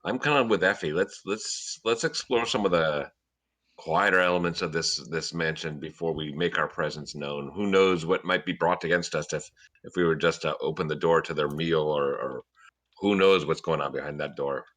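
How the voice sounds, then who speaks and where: A man's voice: a bass voice, normal speed, a bit bright. A man playing a tabletop game, speaking hesitantly and repeating words. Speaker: player. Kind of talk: casual tabletop play.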